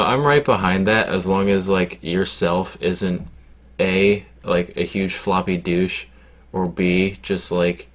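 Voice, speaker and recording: A man answering viewer questions in casual chat, deadpan and low-key, rambling with lots of fillers and swearing. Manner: deadpan, low-key, sounds glum by his own account.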